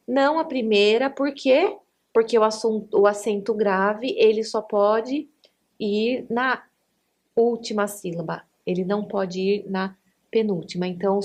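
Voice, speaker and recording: A woman's voice: medium pitch, a little mellow. A woman teaching a recorded online class, methodical, asking questions and answering them herself, sometimes correcting herself mid-word. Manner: methodical, asks and answers her own questions. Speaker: Greek language teacher.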